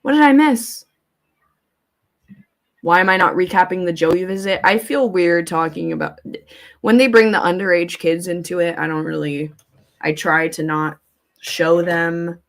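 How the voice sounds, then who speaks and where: A woman's voice: lowish voice, measured pace, long pauses. A woman hosting a casual livestream, rambling and thinking aloud in a blunt, informal way and swearing freely. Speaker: live streamer, host. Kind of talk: casual livestream chat, commentary, reading viewer comments aloud.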